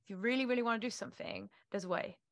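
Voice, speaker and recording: Animated woman on a video call. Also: a little high, rapid-fire, dry recording, studio quality. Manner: animated, gestures while talking. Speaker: guest. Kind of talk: casual conversation. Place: home room, indoors. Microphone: earphones on a video call.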